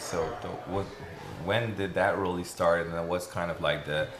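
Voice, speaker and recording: A man speaks with a very deep, low pitch and a Caribbean accent. Noticeable background noise and audible room echo fill the recording. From Guyana. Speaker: interviewer. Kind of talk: interview. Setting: live press event.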